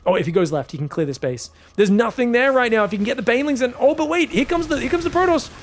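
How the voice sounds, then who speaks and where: A man casting a strategy game match, energetic and casual, with excited calls and chatty asides. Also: very high voice, fast, slight background noise. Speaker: esports caster. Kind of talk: excited live game commentary.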